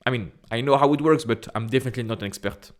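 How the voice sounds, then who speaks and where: A man's voice: mid-range voice, rapid-fire. Man with a strong French accent. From France. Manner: chatty and direct, repeats phrases, frequent "uh" fillers. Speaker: investing YouTuber. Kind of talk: casual talk to camera.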